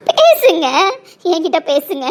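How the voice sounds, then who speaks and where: A woman's voice: high voice, lively intonation, fairly quick. A woman voicing a young woman desperately in love, pleading and repeating herself in an emotional audio drama. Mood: reproachful. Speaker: lead character in an audio drama.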